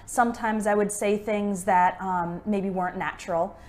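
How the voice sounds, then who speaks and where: A woman's voice: mid-range voice, moderate pace. A young American woman, an English teacher, chatting casually with a co-host in a conversation lesson. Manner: friendly, relaxed, asks questions.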